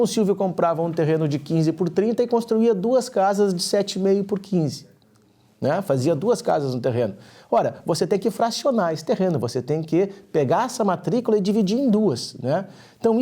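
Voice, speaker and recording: Man, high voice, mellow tone, measured explanation, tv talk guest. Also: lively intonation. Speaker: lawyer guest. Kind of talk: explanatory interview answer.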